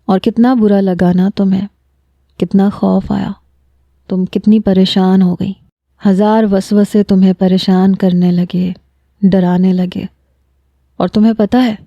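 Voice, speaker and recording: A woman voicing a playful, self-assured young man who teases and makes calm, pointed remarks. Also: mid-range voice, dry recording, close to an everyday voice. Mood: reproachful.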